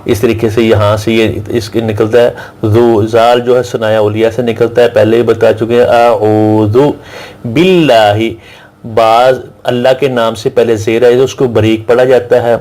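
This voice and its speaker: A male Quran reading teacher who drills letter sounds in slow, repeated chants and explains pronunciation. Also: mid-range voice, darkish tone. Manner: recites Arabic verses slowly in a melodic chant. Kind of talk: slow drilled recitation lesson.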